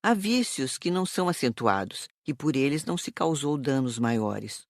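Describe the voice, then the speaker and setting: A woman playing a calm, serious spirit teacher in an audiobook, speaking in a measured, didactic way. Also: very deep voice, no echo, clean studio sound, exaggerated voice. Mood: reassuring. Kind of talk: audiobook dialogue.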